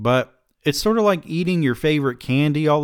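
A man with a Southern US accent and a fairly high pitch. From US South. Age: 30s. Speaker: podcast host. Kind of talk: casual monologue.

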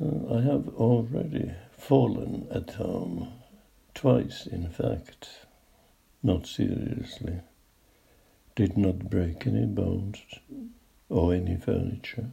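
With a Finnish accent, a man speaks at a very slow pace in a very deep, low voice with a dark, mellow tone and vocal fry, his pitch swinging very widely between long, frequent pauses. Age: old. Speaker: video blogger. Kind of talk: storytelling monologue.

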